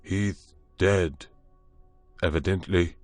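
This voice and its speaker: A man voicing a drunk, gruff man in a storybook reading, speaking slowly and with a slight slur. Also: sits low, steady tone, no echo, soft background music.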